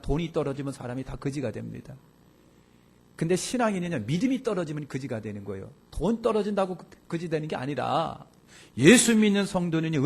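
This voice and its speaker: Husky, animated male pastor preaching. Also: fairly high pitch. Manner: animated storytelling, rising to loud emphatic outbursts. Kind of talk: sermon. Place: church sanctuary.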